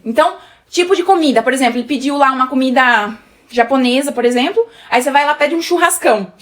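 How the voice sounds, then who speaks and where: Female sales trainer, Brazilian Portuguese accent, high chatty voice. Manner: chatty, many fillers, addresses viewers as gente. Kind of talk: casual teaching talk.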